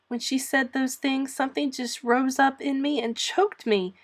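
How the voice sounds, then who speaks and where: Here is an eleven-year-old orphan girl acted by a woman from a storybook. She speaks high and emphatically, with wounded pride. She pleads and defies with great melodrama. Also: steady tone, unhurried. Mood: indignant, wailing.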